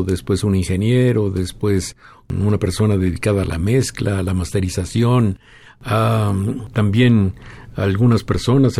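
A man hosting an interview, asking measured questions with small hesitations. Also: on the low side, dark tone. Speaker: radio host.

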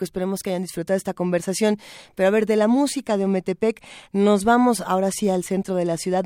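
A woman hosting a morning radio show, asking drawn-out, relaxed questions. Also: mid-range voice, clean tone, no echo, studio quality. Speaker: radio host. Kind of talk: casual radio chat.

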